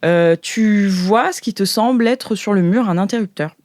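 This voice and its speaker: A woman's voice: medium pitch, normal speed, darkish tone. A woman improvising narration as game master of a sci-fi tabletop roleplay, hesitant and searching for her words.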